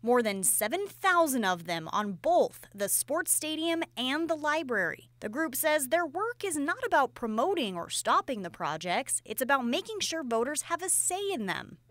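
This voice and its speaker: Woman TV reporter, 30s, high-ish voice, steady newscast read. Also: dry recording. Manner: clear, measured newscast delivery. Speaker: field reporter. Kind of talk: live news report and voice-over. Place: outdoors at night outside a library.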